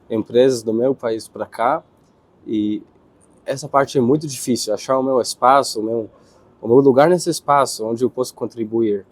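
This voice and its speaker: A young man from Israel with an Israeli accent, answering interview questions in his second language, pausing and searching for words. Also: medium pitch, darkish tone, dry recording. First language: Hebrew. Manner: hesitant, searching for words, with restarts.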